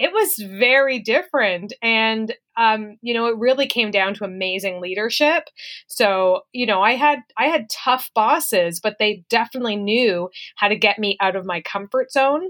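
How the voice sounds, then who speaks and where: The speaker has an unremarkable speaking voice with a Canadian accent, a moderate pace and ordinary pitch variation. The recording is very clean with a silent background and a dry, close sound with no echo. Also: woman, fairly high pitch for a woman. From Ottawa, Canada. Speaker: sales director. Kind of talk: interview.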